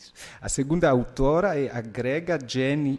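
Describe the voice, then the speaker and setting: At a fairly slow pace, a man speaks in a fairly high voice. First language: not Portuguese (speaking Portuguese). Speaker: doctoral researcher. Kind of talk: academic presentation. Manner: halting, many fillers and self-corrections.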